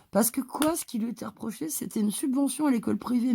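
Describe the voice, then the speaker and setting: A woman talks at a fairly quick pace in a somewhat breathy voice with a dark, mellow tone. The recording is very clean, with a silent background. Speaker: vlogger. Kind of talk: casual monologue. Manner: hesitant.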